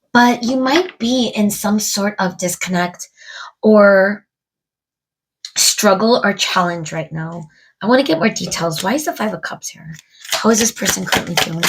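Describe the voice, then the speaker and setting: A woman's voice: mid-range voice, measured pace, slightly rough, low-quality recording. Stuffy-nosed woman reading tarot. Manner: musing aloud, addressing spirit and viewers. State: stuffed up from a cold. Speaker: tarot reader. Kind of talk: casual tarot card reading to camera.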